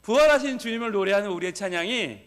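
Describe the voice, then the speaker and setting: High-voiced Gyeongsang pastor preaching in a reverberant hall. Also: male voice, quick pace. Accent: Gyeongsang Korean. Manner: energetic, leads the congregation in shouted call-and-response. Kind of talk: sermon.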